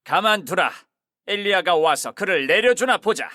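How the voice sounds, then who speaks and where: A man's voice: high-pitched, lively intonation, moderate pace, bright, forceful tone. A man playing bold figures of the crucifixion story in a declamatory, intense dramatized Bible reading. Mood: scornful. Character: dramatic men of the crucifixion story, crying out boldly.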